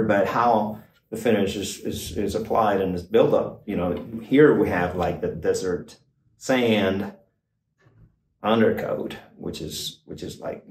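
An older man, a guitar expert guest, explaining in a casual, halting way with many fillers and restarts, in a small backstage room. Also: on the low side, recorded from a distance. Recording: roomy, off-mic, faint noise.

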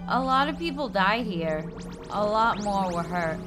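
A woman's voice: medium pitch, animated, unhurried, close to an everyday voice. A woman playing a plucky, sceptical time-travel companion in an audio drama, blunt and dry. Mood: curious, uneasy. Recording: music behind.

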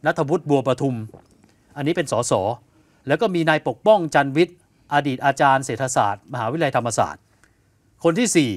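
A man co-hosting an evening news show, explaining political events in an animated conversational way, asking rhetorical questions and acting out what others said. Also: medium pitch, a little fast, no echo. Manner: animated, asks rhetorical questions, acts out quotes. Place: television studio.

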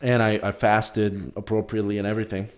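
A young man from Bulgaria whose first language is Polish, co-hosting a casual podcast and telling a story with lots of gestures, restarts and swearing, recorded on a boom mic in a small room at home. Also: little pitch movement, brisk. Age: young adult. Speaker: podcast co-host. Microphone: studio mic on a boom, headphones.

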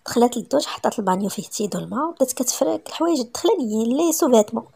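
Moroccan lady reading a story, fast, high, gravelly husky voice. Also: animated, mellow. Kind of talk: read-aloud story narration.

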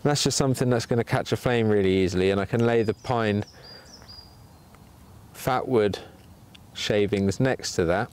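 During a bushcraft livestream in a sunny forest, a man chats with viewers at a normal pace while showing what he's doing. His voice is lowish and darkish, the camera looks down at his hands, and there's slight background noise.

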